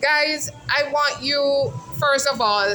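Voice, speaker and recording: A woman's voice: high voice, takes it slowly, bright, forceful tone, slight background noise, low-quality recording. A woman hosting a casual outdoor interview vlog, chatty and calling her viewers "guys". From Jamaica. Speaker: host. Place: outdoors at a mall food court.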